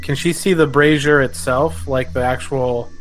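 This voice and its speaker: A man's voice: medium pitch, fairly even intonation, moderate pace, faint music behind. A man playing a tabletop game, talking casually and tentatively as he thinks aloud.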